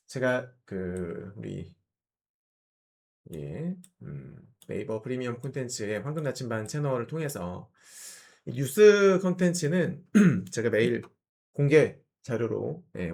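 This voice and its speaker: Hosting an investment channel, a middle-aged man with a cold explains market news in a slightly hoarse, medium-pitched, darkish voice. He leans on rhetorical questions and fillers and clears his throat often.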